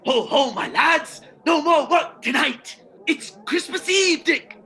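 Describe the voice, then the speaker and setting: An actor playing a jolly, boisterous old master in a radio play, exuberant and loud. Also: male voice, big pitch swings, slow pace, heavily acted. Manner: booming, exuberant. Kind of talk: dramatic radio play acting.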